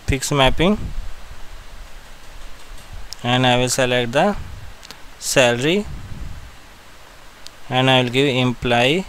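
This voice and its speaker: A man with an Indian accent narrating a step-by-step software tutorial in short, repeated directions. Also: mid-range voice, a little hiss or hum, poor audio.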